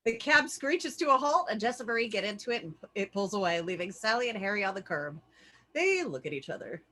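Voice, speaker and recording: Bright-voiced woman reading stage directions. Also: mid-range voice, very animated, brisk. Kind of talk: scripted narration for a table read.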